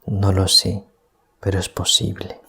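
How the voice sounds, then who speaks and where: Slow, low-voiced priest. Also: male voice, slightly rough. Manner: calm, deliberate, keeps voice low so as not to wake others. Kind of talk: gospel reflection. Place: small hermitage at night.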